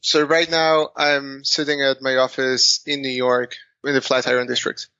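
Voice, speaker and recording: A man in his thirties from Argentina, explaining his career at a steady, measured pace in a casual interview, with frequent "you know". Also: medium pitch, clear, resonant tone, no echo, highs cut off. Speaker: guest entrepreneur. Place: office.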